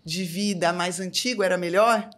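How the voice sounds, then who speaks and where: A woman's voice: fairly low pitch, steady tone, normal speed, fairly bright tone. A Brazilian woman in her forties speaking as an interview guest, explaining things conversationally and often checking for agreement with short tag questions. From Salvador, Bahia, Brazil. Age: 40s. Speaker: guest, doctor.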